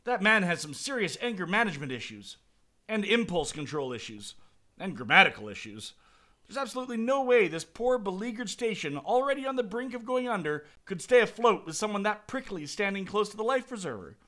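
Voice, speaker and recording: Pompous gentleman anchor, played by a man; high, lively, bright, prim delivery. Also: exaggerated voice. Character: fussy scholarly gentleman news anchor.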